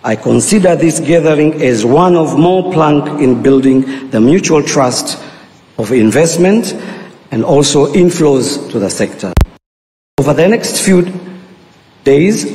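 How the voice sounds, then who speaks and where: A man giving a measured, formal prepared speech at a conference and ending his sentences with a dropped voice. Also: mid-range voice, darkish tone. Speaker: speaker closing a speech. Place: large conference hall. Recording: conference hall with long reverb.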